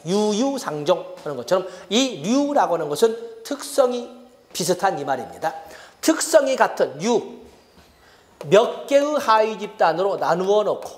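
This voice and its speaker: A middle-aged male lecturer with a high, lively voice that leaps up and down. He teaches an exam-prep class and repeats key terms as he writes them out on the board.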